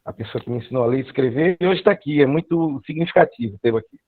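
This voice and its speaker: A middle-aged man, giving a formal thesis presentation over a video call, with halting speech and many hesitations. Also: mid-range voice, dry recording. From Northeastern Brazil. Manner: halting, frequent filler hesitations and restarts. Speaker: law student presenting his thesis. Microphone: computer mic on a video call. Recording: tinny dry video-call audio.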